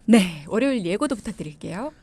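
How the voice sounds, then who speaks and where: A woman's voice: mid-range voice, lively intonation, a little fast, mellow, slightly rough, no echo. A woman hosting a radio talk show on money, chatty and teasing her guests. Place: radio studio.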